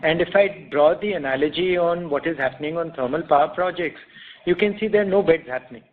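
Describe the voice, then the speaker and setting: An Indian-accented man with a slightly high voice speaks over a narrow phone line. He sounds like a company executive, explaining his points deliberately on an earnings call. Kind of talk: answering questions on an earnings call. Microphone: conference call line.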